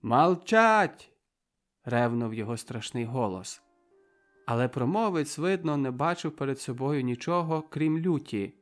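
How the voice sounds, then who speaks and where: Man narrating a dramatic audiobook. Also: medium pitch. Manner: vivid, dramatic reading.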